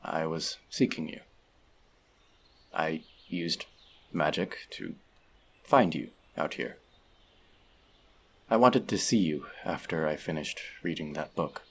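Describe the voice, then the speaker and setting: A man's voice: low voice, slightly rough, full character voice. A man playing an earnest, bookish elf outcast in an audio roleplay, confiding in a friend in a hesitant, self-doubting way. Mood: sheepish, confessing. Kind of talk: scripted audio roleplay addressed to the listener.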